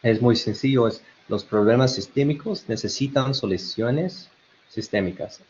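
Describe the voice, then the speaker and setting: A man's voice: on the low side, slight background noise. A man with an American-tinged Spanish accent giving an online webinar presentation, hesitant with many fillers and restarts. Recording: dull lo-fi web call audio.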